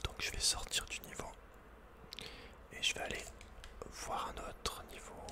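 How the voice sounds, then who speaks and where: A man whispering unhurriedly as he thinks aloud, hosting an ASMR video game playthrough. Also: measured pace. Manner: whispering throughout. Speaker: ASMR gamer host.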